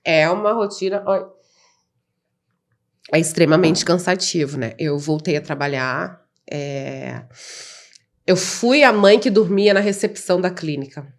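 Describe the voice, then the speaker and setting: A woman's voice: lowish voice, unhurried, pauses often. A Brazilian woman, a mother telling her story in a podcast interview, blunt and impassioned. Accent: Brazilian Portuguese. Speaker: guest, mother of an autistic child.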